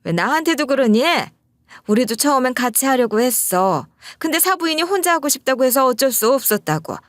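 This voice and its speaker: A brusque older mother-in-law, quick to scold and order others about. Her voice rises high and pushy, a woman putting her on in a story narration. The sound is dry and close. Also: lively intonation, no echo, lightly acted.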